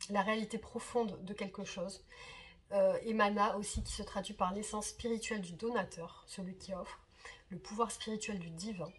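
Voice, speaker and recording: Woman, thirties, reader hosting her own channel; mildly hoarse and husky, halting delivery full of fillers. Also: medium pitch. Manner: hesitant, many fillers and repeated words. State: slightly hoarse from a cold. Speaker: tarot reader and channel host. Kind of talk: casual direct-to-camera chat.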